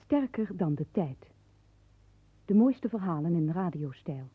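Female vintage radio announcer, formal and measured, husky lowish voice for credits, muffled old recording. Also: big pitch swings, no echo. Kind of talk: formal 1960s broadcast announcement. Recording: dull lo-fi 1960s radio recording.

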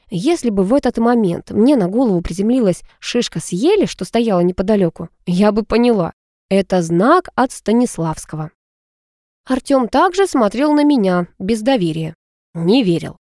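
A woman narrating a first-person story aloud, lively and expressive with ironic asides. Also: medium pitch, moderate pace, no room sound, studio quality. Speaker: audiobook narrator.

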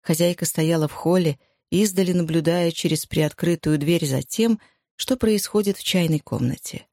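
A woman narrating a novel calmly and evenly as an audiobook reader. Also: lowish voice, normal speed, no room sound, clean studio sound. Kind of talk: scripted narration.

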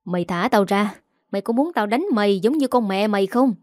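A woman's voice: mid-range voice, fairly quick, a little mellow, dry recording, clean studio sound, natural voice. A woman reading a story aloud and voicing a drunk, jealous husband who sneers and accuses his wife. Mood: bitter, accusing. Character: drunk jealous bullying husband, middle-aged man.

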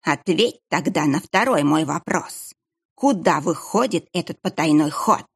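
A sinister hooded monk from an audiobook who hisses every threat in a slow, drawn-out, snake-like voice. The tone is low, gravelly and husky, as a woman narrator puts him on. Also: animated, exaggerated voice. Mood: menacing hiss. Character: sinister hooded male monk, menacing and cruel.

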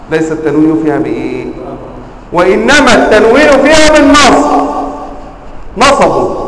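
A man with an Egyptian accent teaching a religious lesson, quizzing his listeners and stressing words with sharp rises. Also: high-pitched, echoey room, big-room sound, background noise. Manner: quizzes the audience, emphatic rising stresses. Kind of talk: classroom lesson.

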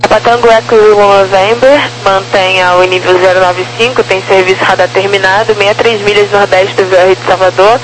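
An air traffic controller with a Brazilian accent speaks in clipped radio phraseology, handing out clearances and instructions. The voice comes over an air traffic control radio channel with clear hum and noise. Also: medium pitch, little pitch movement, normal speed, hardly any pauses, fairly bright tone, low-quality recording. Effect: radio transmission.

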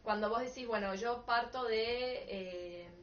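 A woman's voice: on the high side, unhurried, slight background noise. A woman with a Rioplatense accent, a workshop participant talking casually and thinking aloud. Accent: Rioplatense Spanish. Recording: echoey, muffled room with people around.

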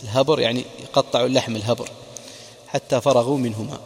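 Male religious lecturer, brisk delivery, recites verse slowly, hall reverb. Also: mid-range voice, fairly even intonation. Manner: recites quoted verse slowly, explains words in dialect. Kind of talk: classroom lecture on prophetic biography.

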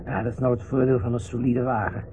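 An actor playing an irritable, gloomy company director and husband in a Dutch radio play, curt and sardonic. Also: male voice, medium pitch, flat delivery, quick pace, natural voice. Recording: muffled, noisy old radio play recording.

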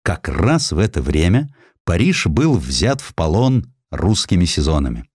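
A man with a deep voice narrates a literary piece of history. His delivery swings widely in pitch and is theatrical, shaped by dramatic pauses. The sound is dry and close, as from a studio microphone. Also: very animated, darkish tone, slightly rough, no echo. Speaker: audiobook narrator.

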